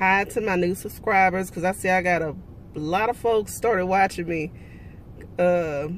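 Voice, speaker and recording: A woman has an unremarkable speaking voice, fairly low in pitch with fairly even intonation. The sound is dry with no echo, over light background noise. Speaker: vlogger. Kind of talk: casual vlog chat. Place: car.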